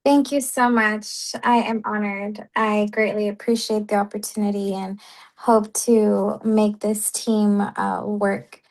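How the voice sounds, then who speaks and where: A woman's voice: medium pitch, level tone, slow pace, creaky, a little mellow. A young woman from Chicago, raised in Texas, giving brief, polite answers as a guest in a casual interview, with some ums and uhs.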